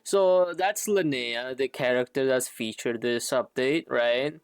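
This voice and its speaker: A woman streamer chats casually with her viewers while reacting to a game. She talks slowly and offhandedly, in a laid-back manner. The sound is close and dry. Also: very deep voice, clean tone, no echo. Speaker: livestreamer.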